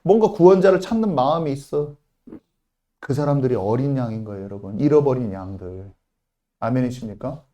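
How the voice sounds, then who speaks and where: A man preaching a sermon as pastor, emphatic, with sudden loud quoted lines and soft asides. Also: medium pitch, animated, a little fast, dull audio.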